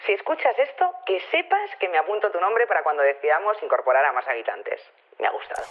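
A woman's voice: lowish voice, big pitch swings, fast. An actress playing an opinionated, chatty woman in charge of a community, talking emphatically and repeating herself over a telephone in an audio drama. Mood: pleased, chatty. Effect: telephone filter. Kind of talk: improvised-sounding phone interview in audio drama. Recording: thin phone-line sound.

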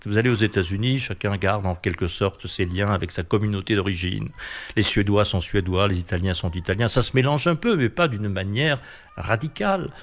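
A man's voice: fairly low pitch, brisk. A man with a French accent, a guest giving thoughtful, hesitant answers in an interview. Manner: hesitant, thoughtful, many fillers and restarts. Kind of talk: reflective conversational interview.

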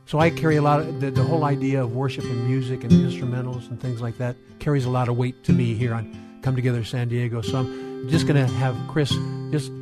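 A man's voice: mid-range voice, steady tone, a little fast. A man hosting Christian radio talk, speaking earnestly and devoutly, directly to his listeners. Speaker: radio show host. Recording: loud live guitar music behind. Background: guitar music.

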